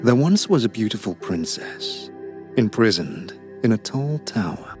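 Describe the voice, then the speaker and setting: A man playing a silky, sinister storyteller, narrating a hypnotic dark fairy tale with theatrical, lingering words. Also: fairly low pitch, big pitch swings, unhurried, music in the background. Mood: hushed, ominous. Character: sinister, silky storyteller lulling a traveler to sleep. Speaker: bedtime storyteller.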